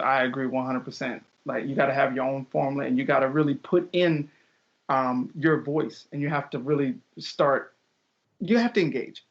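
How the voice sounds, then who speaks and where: Gravelly, animated young man telling stories. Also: mid-range voice. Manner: animated storyteller, acts out quoted voices with laughs. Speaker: interview guest, English teacher in Japan. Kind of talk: casual interview conversation. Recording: dull lo-fi audio.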